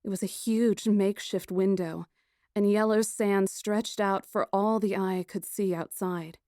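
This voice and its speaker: A woman playing a plucky, sarcastic kidnapped young woman who narrates her ordeal in a first-person audiobook, wry and expressive. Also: medium pitch, unhurried, dry recording, clean studio sound, lightly acted. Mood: tense.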